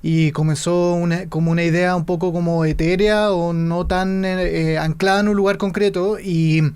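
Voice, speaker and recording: A Chilean man speaks in a somewhat high, gravelly voice with little rise and fall. He is a film director in an interview, weighing each thought and pausing to find the right word. His accent marks him as from Santiago. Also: little pitch movement, darkish tone. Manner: thoughtful, searching for words. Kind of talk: interview conversation.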